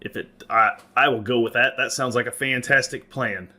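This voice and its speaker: A man narrating and refereeing a tabletop role-playing game as game master, conversational and pausing to explain rules. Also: mid-range voice, steady tone, a crowd in the background.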